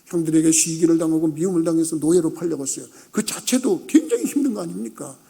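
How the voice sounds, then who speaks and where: A middle-aged male pastor preaching a sermon, telling a Bible story and acting out the characters' lines, swinging between loud and hushed. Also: a little high, very animated, fast talker, vocal fry. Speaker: senior pastor.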